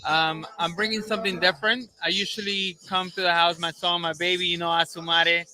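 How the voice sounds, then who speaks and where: A man's voice: high-pitched, flat delivery, brisk, bright, forceful tone, faint music behind, poor audio. A man from Peru with a Peruvian Spanish accent, a native Spanish speaker chatting casually as an artist in a live interview. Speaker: reggaeton artist being interviewed. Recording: busy crowd behind the voice. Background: crowd at a live showcase.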